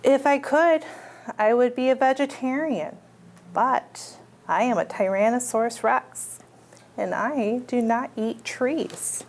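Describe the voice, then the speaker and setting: A woman with a fairly high voice takes it slowly as she hosts a children's storytime as a librarian. She reads picture books aloud in simple, child-directed talk and asks her young listeners questions.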